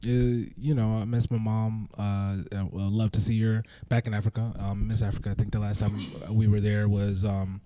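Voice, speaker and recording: A man's voice: on the low side, flat delivery, normal speed, hardly any pauses, warm tone, no room sound, highs cut off. A man from Tanzania speaking as a podcast guest, hesitant and full of fillers. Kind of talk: casual chat.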